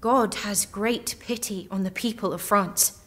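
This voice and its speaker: A young, saintly peasant girl with unshakable faith. Her voice is mid-pitched for a woman, earnest and serene. It is historical audio drama acting, sure and devout. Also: a little slow, fairly bright tone. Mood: serene conviction.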